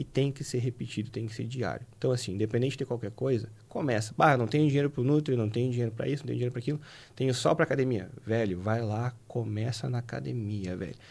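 Somewhat breathy, very fast speech with ordinary pitch variation, hardly any pauses, and a very clean recording over a silent background. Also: man, medium pitch for a man. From Rio Grande do Sul, Brazil (Alegrete). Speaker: fitness professional, supplement business owner. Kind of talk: casual interview chat.

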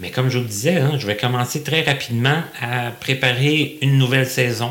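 A man with a Quebec accent speaks at a fairly slow pace and a medium pitch. Noticeable background noise sits behind him. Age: 40s. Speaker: podcast host. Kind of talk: interview.

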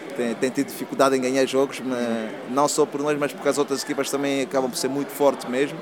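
A man speaks at a medium pitch in a monotone, flat delivery. Background noise is noticeable. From Angola. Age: 30s. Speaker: footballer. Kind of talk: interview. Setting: event venue.

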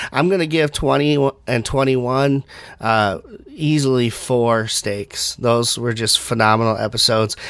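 A man has an ordinary speaking voice at a medium pitch with ordinary pitch variation. He keeps a moderate pace and very even loudness. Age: 30s. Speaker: podcast co-host. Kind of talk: casual chat.

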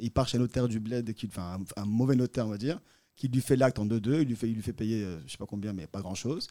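A man talks at a fairly quick pace with a medium pitch and a dark, mellow tone. His pitch variation is ordinary, and the sound is dry and close with no echo. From Morocco. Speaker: notary clerk, caller. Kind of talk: casual conversation.

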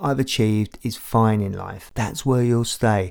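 On a very clean recording with a silent background, a man with a London accent speaks at a fairly slow pace. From London, England. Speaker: podcast host. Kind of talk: motivational monologue.

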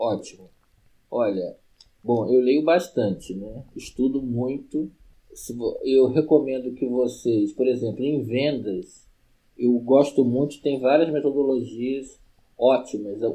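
A dark, mellow tone at a very slow pace, with long, frequent pauses. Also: man, medium pitch for a man, ordinary pitch variation. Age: 50s. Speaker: LinkedIn trainer. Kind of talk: interview.

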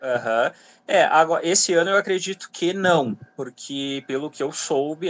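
A man speaks with ordinary pitch variation. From Rio Grande do Sul, Brazil (Passo Fundo). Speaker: fantasy author and schoolteacher. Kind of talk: interview. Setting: video call. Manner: halting, many repetitions and fillers.

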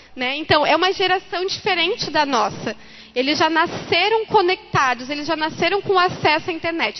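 A woman's extremely high-pitched voice with lively intonation at a moderate pace, over noticeable background noise. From southern Brazil. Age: 20s. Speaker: psychologist. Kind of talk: talk at a women's church service.

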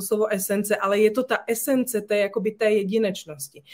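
A normal speaking voice. It moves at a moderate pace. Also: woman. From Slovakia. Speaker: copywriting lecturer. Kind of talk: casual interview. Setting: video call.

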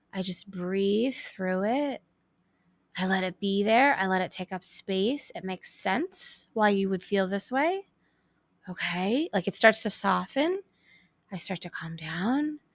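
A woman at a medium pitch with lively intonation, fairly slow and with long, frequent pauses, on a very clean, silent-background recording with dry, close sound and no echo. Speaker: podcast host and coach. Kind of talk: guided meditation.

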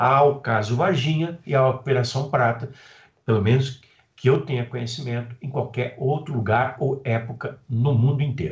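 Somewhat breathy and fairly high in pitch, a man talks at a fairly slow pace. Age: 50s. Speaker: ufologist. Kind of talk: interview.

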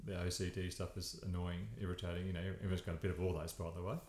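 Speaking at a very fast pace with an Australian accent, a man with a very deep, low pitch sounds somewhat breathy and keeps his intonation fairly even. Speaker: trauma psychologist. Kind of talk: casual interview.

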